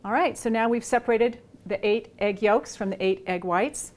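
A woman in her sixties hosts a cooking demonstration in a large home kitchen, chatting in a relaxed way while working with her hands. Her mid-range voice moves at normal speed, with a little hiss or hum in the recording.

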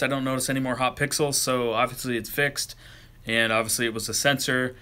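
A man's voice: medium pitch, bright, forceful tone. A man talking casually and offhandedly in a home vlog, recorded on a handheld cell phone, with a little grumbling now and then. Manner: chatty and offhand, with mild grumbling. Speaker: camera vlogger.

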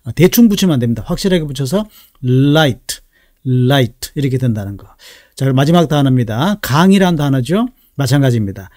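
A middle-aged man teaching English pronunciation in a lesson video, speaking slowly and carefully and repeating each example word. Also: medium pitch, big pitch swings, mellow, no room sound, studio quality.

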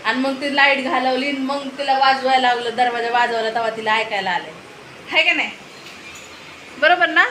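High-voiced bright woman vlogging at home, ranting and scolding, echoey room w/ some background hum. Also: moderate pace. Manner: animated scolding storytelling. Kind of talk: casual family vlog chat. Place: home indoors.

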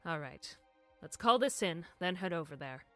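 An actor playing a calm, matter-of-fact male police detective. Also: on the high side, moderate pace, dry recording, soft background music.

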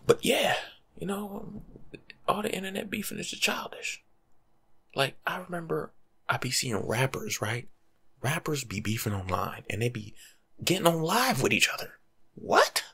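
A young American man giving casual, slangy life-coach advice in an ASMR monologue, breathy and often dropping to a whisper. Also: medium pitch, big pitch swings, normal speed, long pauses, bright, forceful tone. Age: young adult. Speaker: ASMR video creator. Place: small room at home, indoors.

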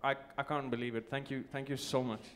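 A man's voice: mid-range voice, level tone, fast talker, a bit bright. A male singer-songwriter chatting between songs at a live festival show, effusive and thankful, coaxing the crowd to sing along, his voice worn from singing. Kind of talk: live stage banter with audience. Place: live music festival stage. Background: guitar playing.

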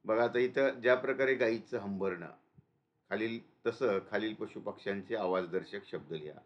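A male teacher explaining a school lesson, often pausing to check in with listeners. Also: fairly low pitch, lo-fi sound. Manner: explains and repeats with frequent "है ना" checks.

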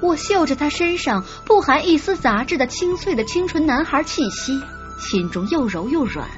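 A woman's voice: sits high, expressive, moderate pace, dull audio, faint music behind. A woman narrating a romance audiobook expressively, acting out the heroine's lines.

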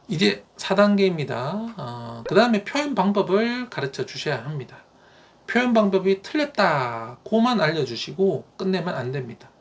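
A man who teaches elementary school gives parents calm, explanatory advice, with frequent "uh" fillers. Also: fairly high pitch.

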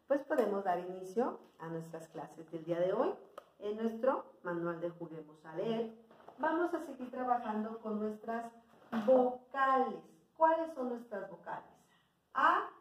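A woman teaching a preschool class, speaking slowly and clearly and sounding out words for young children. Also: a little high, a little mellow. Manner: patient, sounding out words and checking in with "¿sí?". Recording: roomy sound from away from the mic.

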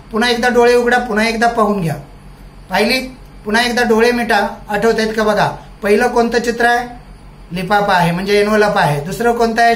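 A man's voice: high voice, a bit bright. A male teacher giving a recorded lesson. He drills words over and over and keeps asking quiz-style questions. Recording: echoey room.

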